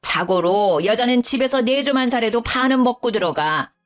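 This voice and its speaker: A woman's voice: lively intonation, moderate pace, soft background music, lightly acted. A woman voicing a domineering older mother-in-law who scolds and talks down to her daughter-in-law. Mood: scolding. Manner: scolding, shrill, condescending.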